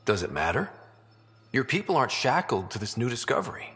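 A man's voice: mid-range voice, sing-song, brisk, a bit bright, husky, full character voice. A man playing a confident young space explorer and leader in a video game, casual and assured. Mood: supportive.

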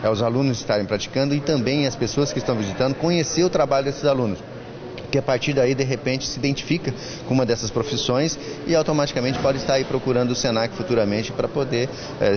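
A man's voice: mid-range voice, fast, crowd noise. A man in his fifties, interviewed on camera at an indoor school fair, talking earnestly and giving advice, with many restarts. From Brazil. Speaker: school staff member interviewed. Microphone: handheld mic held by interviewer. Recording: lo-fi with clear background noise.

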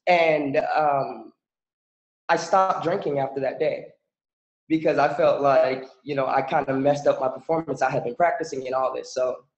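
A man from the Bahamas giving a relaxed, chatty presentation over a video call, with many fillers. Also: mid-range voice, moderate pace. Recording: echoey, dull video-call audio.

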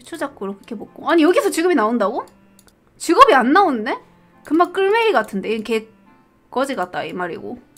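Lively, high, bright young woman streamer. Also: brisk, soft background music. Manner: reads questions aloud, puzzles over answers, laughs often. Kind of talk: casual live-stream quiz commentary.

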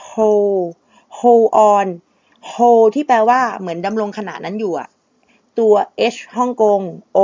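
Slow-speaking female singing teacher. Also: medium pitch, darkish tone, no room sound, dull audio. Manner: demonstrates English pronunciation by singing and spelling out words; patient, polite, with frequent na kha and kha. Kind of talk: casual singing lesson.

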